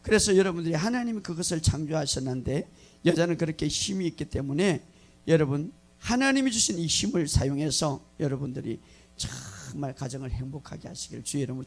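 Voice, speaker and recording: A male pastor delivers a sermon with a rough, gravelly edge to his slightly high voice. He tells the story animatedly, acting out the lines and often laughing as he goes.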